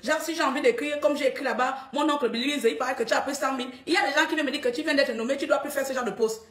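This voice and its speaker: A woman's voice: sits high, racing. Middle-aged woman with a Cameroonian accent, blunt and defiant live-stream talk, echoey room. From Gabon. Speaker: activist addressing followers in a live stream.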